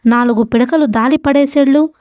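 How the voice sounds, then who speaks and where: A woman voicing a suspicious, sharp-tongued older village mother-in-law in a storybook reading. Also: moderate pace, lightly acted. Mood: suspicious, scolding. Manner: shrill, scolding and suspicious.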